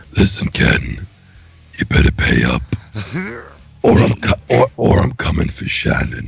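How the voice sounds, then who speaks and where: Putting on a character voice, a man speaks at a moderate pace in a very deep, low pitch with very wide pitch swings and long, frequent pauses. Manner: menacing.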